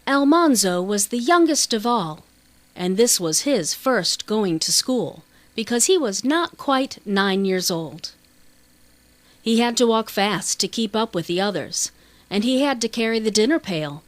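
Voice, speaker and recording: A woman's voice: mid-range voice, expressive, a little slow, no echo. A woman reading a children's novel as scripted audiobook narration.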